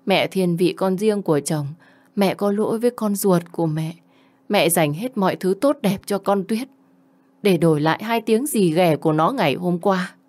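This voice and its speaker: A woman's voice: on the low side, moderate pace, a little mellow, lightly acted. Woman voicing a tearful, remorseful mother. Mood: anguished. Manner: choked, pleading. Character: remorseful tearful middle-aged mother begging forgiveness.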